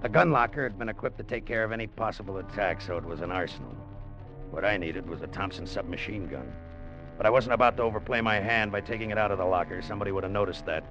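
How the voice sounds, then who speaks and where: Brief: a man playing a low-voiced scheming sailor, tough narration, muffled old radio broadcast with music. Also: quick pace, lightly acted. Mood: brooding. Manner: tough first-person narration. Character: scheming male sailor-diver plotting to take the treasure. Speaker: narrator and lead character. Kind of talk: 1940s radio acting.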